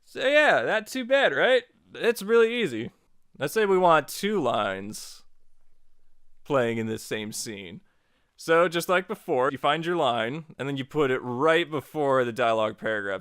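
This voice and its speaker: Clear-voiced man hosting a casual tutorial. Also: mid-range voice, lively intonation, unhurried, a bit bright, no echo, studio quality. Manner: informal, jokey. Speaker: tutorial host. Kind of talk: casual scripted-style tutorial narration.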